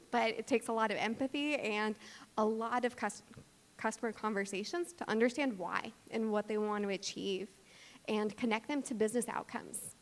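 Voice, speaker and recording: A woman speaks as a conference presenter, explaining her work in a structured, explanatory way. Her pitch sits in the middle range for a woman. The sound carries the long reverb of a big hall. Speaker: conference speaker, cloud cost practitioner.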